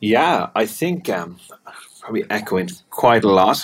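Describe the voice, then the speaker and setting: An Irish accent from a man speaking at a fairly slow pace. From Ireland. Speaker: head of sales at a fintech company. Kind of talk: panel discussion.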